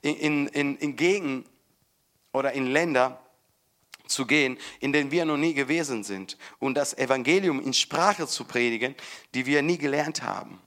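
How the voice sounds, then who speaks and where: A man preaching a sermon with fervent emphasis, moving between loud bursts and quiet storytelling, often restarting and repeating words. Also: mid-range voice, normal speed.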